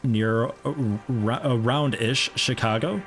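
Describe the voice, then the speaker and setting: A man's voice: medium pitch, slow, a bit bright, soft background music. A young American man streaming a game, chatting casually in a rambling, self-interrupting, amused way, with a mixed accent that carries some European mannerisms. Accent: mixed American with picked-up European mannerisms. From United States. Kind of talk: casual live-stream chat while playing.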